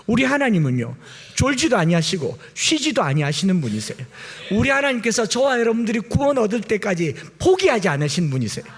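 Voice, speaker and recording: A male pastor preaching a Sunday sermon, swinging between loud exclamations and quiet, low asides. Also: sing-song, brisk, breathy edge.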